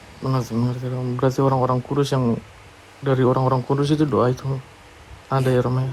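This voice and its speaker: A man at medium pitch talks at a very fast pace, broken by long, frequent pauses. Noticeable background noise runs underneath. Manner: sleepy, flat, unenthusiastic.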